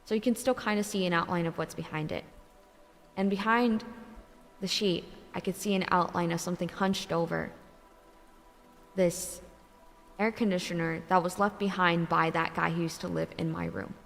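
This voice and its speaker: A young woman streamer telling a true ghost story in casual, animated speech, swearing often and filling with "like". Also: lowish voice, moderate pace, creaky, pauses often. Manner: animated, swears a lot, many filler likes. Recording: long reverb, faint music behind.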